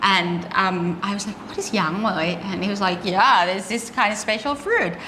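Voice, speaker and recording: A woman with a Thai accent, medium pitch and ordinary pitch variation, at a moderate pace, with audible room echo and noticeable background noise. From Thailand. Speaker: video host. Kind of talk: casual chat.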